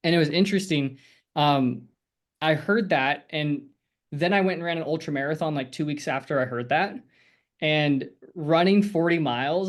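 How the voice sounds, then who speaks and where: A man coaching a group on a video call, talking casually in a rambling, encouraging way with lots of fillers. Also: on the high side. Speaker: sales coach.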